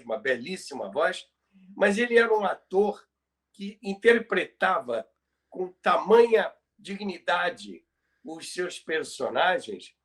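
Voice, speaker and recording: Brazilian guy podcast host, kinda high voice, really slow, stumbles and repeats words telling old radio stories. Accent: Brazilian Portuguese. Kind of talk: conversational storytelling about radio history.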